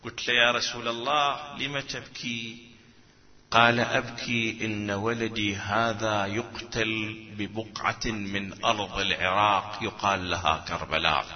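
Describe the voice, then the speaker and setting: A man's voice: lowish voice, measured pace. A man preaching a mourning sermon, his delivery lamenting and half-chanted. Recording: lo-fi recording with long hall reverb.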